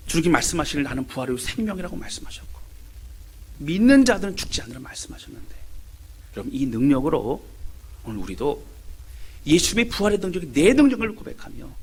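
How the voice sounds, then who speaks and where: A man's voice: mid-range voice, husky. A male pastor from Seoul preaching a sermon, emphatic and speaking straight to his congregation. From Seoul, Korea. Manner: emphatic, addressing the congregation directly.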